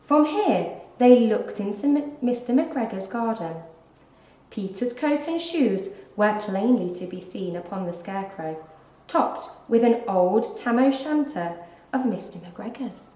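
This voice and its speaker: A woman narrating a children's story aloud in an expressive, deliberate storytelling manner, like a teacher. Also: on the high side. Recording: dull, roomy lo-fi recording.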